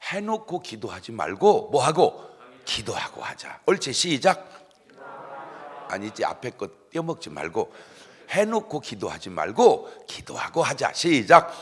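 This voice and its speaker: A man's voice: medium pitch, huge pitch swings, normal speed. A middle-aged male pastor preaching a sermon, with humour, who keeps quizzing the congregation and having them answer together. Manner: call-and-response questions to the congregation, humorous. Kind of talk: sermon at a dawn revival service. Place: church sanctuary. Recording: echoey church hall.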